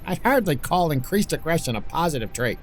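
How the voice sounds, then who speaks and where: An actor playing an irritable, slightly slow-to-follow staffer with blunt, grumbling delivery in an audio drama. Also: male voice, a little high, big pitch swings. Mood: irritable, puzzled. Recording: loud background noise.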